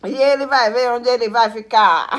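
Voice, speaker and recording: A woman, chatting to her viewers as a mukbang vlogger while eating with her fingers, telling her story in a chatty, animated way between bites. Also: a little high, unhurried. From Brazil. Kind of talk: casual mukbang chat to viewers.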